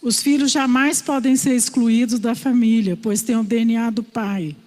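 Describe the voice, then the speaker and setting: A woman from Brazil delivers a sermon in a warm storytelling manner, her voice sitting fairly high. The sound carries a long reverb from a church hall. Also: normal speed. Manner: storytelling, animated voices for quoted father. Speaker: preacher.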